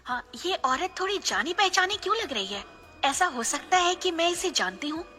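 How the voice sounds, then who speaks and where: A woman's voice: very high-pitched, very animated, normal speed, sharp tone, soft background music, heavily acted. A woman voicing a haughty, scheming goddess who speaks in an arrogant, sneering way.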